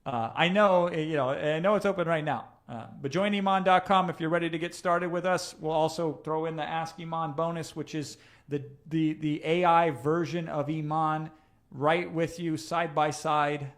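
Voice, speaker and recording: A man's voice: fairly high pitch, steady tone, moderate pace. A man coaching a live audience in a conversational teaching talk, often checking in with "right?" and drifting into asides. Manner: conversational, checks in with "right?", digresses mid-thought. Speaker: coach presenting a live session.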